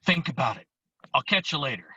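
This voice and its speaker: A man playing a laid-back, slangy teenage slacker best friend in an amateur table read, with a deadpan way of talking. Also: mid-range voice, a little fast, slight background noise. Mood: deadpan, casual. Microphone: virtual table read over video call. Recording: dull lo-fi video call audio.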